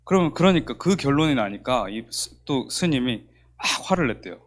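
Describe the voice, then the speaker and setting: A man preaching a sermon as pastor in a church, telling a story in an animated way and acting out the dialogue. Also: mid-range voice, normal speed.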